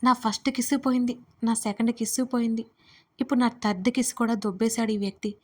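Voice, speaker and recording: A woman narrating a first-person romance story for an audiobook, in an expressive, dramatic way. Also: fairly high pitch, a little fast.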